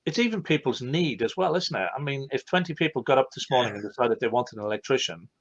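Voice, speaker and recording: A man with an Irish accent hosting a live online Q&A, animated and rambling, often correcting himself mid-sentence. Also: medium pitch, quick pace, lo-fi sound. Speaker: host.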